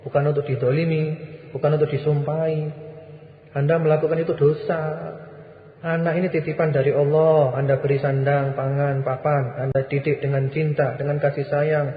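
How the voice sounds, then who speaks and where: A man's voice: a little high, little pitch movement, normal speed. Firm preacher man in an echoey hall. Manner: firm, repetitive, exhorting. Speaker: Islamic preacher answering questions. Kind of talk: sermon Q&A. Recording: echoey hall, muffled lo-fi recording.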